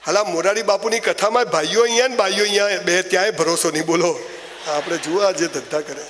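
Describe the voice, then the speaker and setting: High-pitched man in a hall. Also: a little fast, slight background noise. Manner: animated storytelling with mocking asides. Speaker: motivational speaker. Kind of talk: comic motivational speech.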